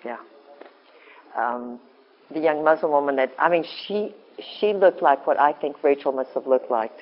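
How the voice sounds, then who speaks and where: A woman with a deep voice giving an informal, earnest talk to a women's group, often breaking off and restarting. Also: normal speed, muffled recording. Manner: rambling, self-interrupting, earnest. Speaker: women's ministry speaker.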